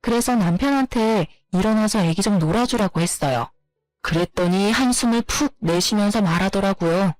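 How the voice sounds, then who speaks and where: A woman's voice: mid-range voice, normal speed, no room sound, soft background music. Woman narrating a story, dry voice. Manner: plain, steady storytelling with a complaining tone. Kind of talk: first-person story narration.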